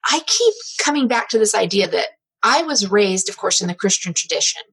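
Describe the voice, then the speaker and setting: A woman co-hosts a relaxed podcast conversation, working through her ideas reflectively. She hedges her points and often restarts mid-sentence with "I mean". Her voice sits at an ordinary middle pitch for a woman. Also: brisk, slightly rough, rough recording. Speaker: podcast co-host.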